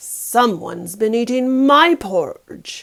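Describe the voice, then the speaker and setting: Using a put-on character voice, a woman growls and rumbles at a fairly high pitch, with very wide pitch swings and a fairly slow pace. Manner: growling, grumbling.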